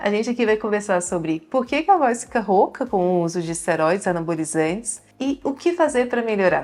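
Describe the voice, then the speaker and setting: With music in the background, a woman speaks fairly quickly with hardly any pauses and very wide pitch swings. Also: medium pitch for a woman. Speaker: ear, nose and throat doctor. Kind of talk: medical explainer talk to camera.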